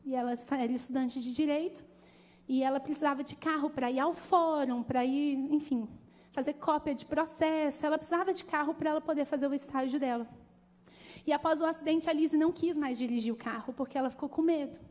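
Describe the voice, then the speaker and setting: High-voiced woman pastor preaching. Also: fairly quick. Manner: conversational, animated preaching with calls to the congregation. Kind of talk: sermon. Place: church. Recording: long church hall reverb.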